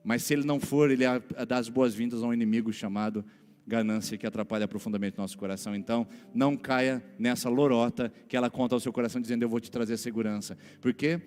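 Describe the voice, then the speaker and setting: A man's voice: mid-range voice, steady tone, fast talker, darkish tone. A man with a Brazilian Portuguese accent, a pastor preaching an emphatic sermon and often addressing the congregation directly. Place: church hall. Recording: church hall reverb, faint music.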